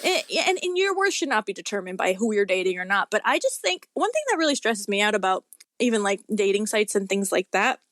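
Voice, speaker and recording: A woman's voice: medium pitch, big pitch swings, fast talker, a bit bright, no echo, clean studio sound. A woman chatting casually as an interview guest, talking in an earnest, rambling and emphatic way. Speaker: guest author.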